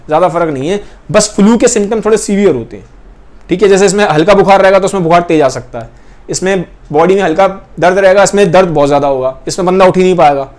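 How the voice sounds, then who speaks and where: The voice is high and slightly mellow: a young man walking his students through a biology lesson. Pointing at pictures as he talks, he repeats the core points and checks in with the class again and again.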